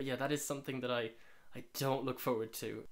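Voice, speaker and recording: In an Irish accent, a man speaks with a medium pitch. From Ireland. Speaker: book YouTuber. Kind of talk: casual talk to camera.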